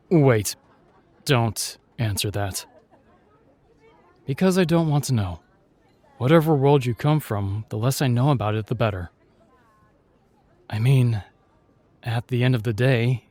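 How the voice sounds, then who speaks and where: An actor playing a chivalrous, shyly tender knight in a fantasy audio roleplay, speaking with courtly, reassuring and slightly hesitant phrasing. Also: male voice, mid-range voice, expressive, unhurried, long pauses, a little mellow, no room sound, some chatter behind. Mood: reassuring, wry.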